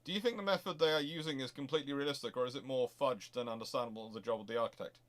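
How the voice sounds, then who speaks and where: A man with a mid-pitched voice speaks casually as a livestream host taking questions. He thinks out loud in a halting, conversational way, circling back over phrases as he builds each answer. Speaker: host of a naval history stream.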